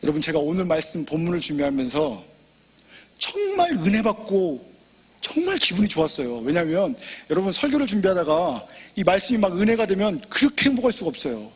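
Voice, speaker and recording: A man preaching a sermon as pastor, impassioned and personal, swinging from loud pleading to hushed near-whispers. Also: high-pitched, very animated, a little fast, slightly rough, long reverb tail. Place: church sanctuary.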